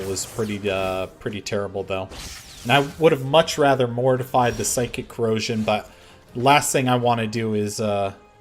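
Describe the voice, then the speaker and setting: Over noticeable background noise, the speech moves at a moderate pace with ordinary pitch variation. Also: man. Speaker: gaming youtuber. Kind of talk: gameplay commentary. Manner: quiet; casual with filler words.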